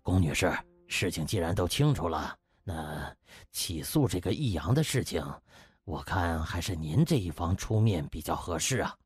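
A man's voice: low-pitched, animated, normal speed, breathy edge, no room sound, clean studio sound, faint music behind, pitched below the performer's own voice, heavily acted. A man voicing an agitated, impatient male hospital administrator in an audiobook, urgent and pressing. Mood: eager.

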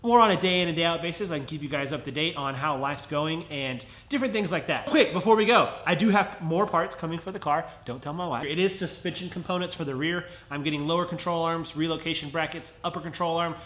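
A man's voice: a little high, quick pace, hardly any pauses, fairly bright tone. A man in his thirties with a nasal, congested voice from a head cold, chatting casually to viewers in a friendly car how-to vlog. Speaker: car vlogger. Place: home garage, indoors. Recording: roomy garage echo.

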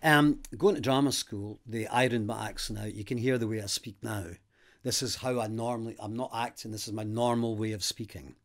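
A middle-aged actor from Aberdeen with a light Aberdeen Scottish accent, telling stories in a relaxed interview at home. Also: male voice, fairly low pitch, fairly quick. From Aberdeen, Scotland. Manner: lively, animated storyteller with gestures and laughs. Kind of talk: casual interview answers. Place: home room with bookshelves, indoors.

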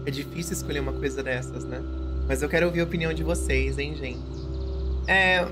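A woman's voice: low-pitched, a little fast. A thirty-year-old woman with a Brazilian accent, commenting on a game to her live chat in a reflective, emphatic way. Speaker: game streamer. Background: game music.

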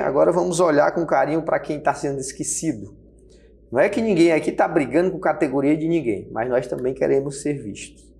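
Gravelly-voiced union leader making his case. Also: on the high side, mellow. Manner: emphatic, gestures broadly while speaking. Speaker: health workers' union leader. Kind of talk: interview answers. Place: small studio set with table. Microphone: lapel mic.

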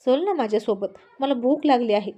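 A stubborn young bride in a storybook, teasing and coaxing her husband in a fairly high voice, as a woman narrator puts her on. She pleads sweetly and gets her own way. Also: lively intonation, brisk, dark tone. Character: young newlywed wife, playful and stubborn.

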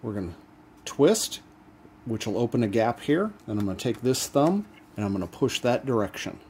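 Man calmly walking through a repair. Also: medium pitch, normal speed, a little hiss or hum. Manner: relaxed step-by-step explaining while working hands-on. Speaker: DIY channel host. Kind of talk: casual how-to demonstration.

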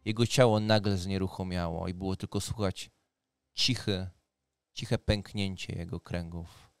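Low-voiced man narrating a fantasy game. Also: fairly even intonation, unhurried, clear, resonant tone, no echo. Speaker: game master. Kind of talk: narrating a tabletop roleplaying game. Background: music.

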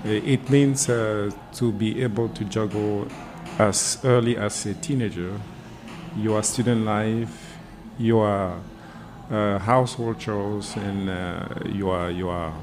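A man from Cameroon, a guest in an interview, speaking in a measured, halting way with frequent pauses. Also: fairly low pitch, fairly even intonation, over music. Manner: measured, halting, many "uh" fillers. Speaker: guest, environmental sociologist. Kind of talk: casual interview conversation.

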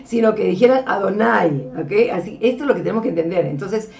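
A woman's voice: medium pitch, lively intonation, brisk, vocal fry, darkish tone. Lady teaching a bible class online, keeps asking "ok?", sounds kinda far from the mic. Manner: explanatory, frequent checks with "ok?" and "este" fillers; addresses listeners as beloved brethren. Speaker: religious teacher. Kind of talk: online lecture with slides. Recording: distant, dull-sounding mic.

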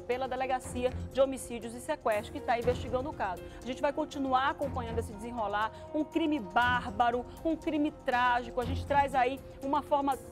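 A woman with a Brazilian accent anchoring live TV news, commenting emphatically and speaking straight to viewers. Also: sits high. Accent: Brazilian Portuguese. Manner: emphatic, editorializing, addresses viewers directly. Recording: TV broadcast with music bed.

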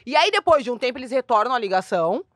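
A woman's voice: on the high side, sing-song, rapid-fire, no echo, studio quality. A young Brazilian woman co-hosting a casual chat show, talking in a chatty way and laughing often. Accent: Brazilian Portuguese. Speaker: co-host.

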